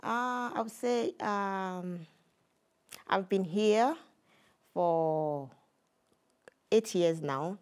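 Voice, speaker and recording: A woman's voice: mid-range voice, drawn-out words, long pauses, a little mellow. A woman from Nigeria with a Nigerian English accent, a guest answering interview questions in a casual, hesitant way with easy laughter. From Nigeria, Edo State. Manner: hesitant, restarts often, laughs easily. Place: community TV studio.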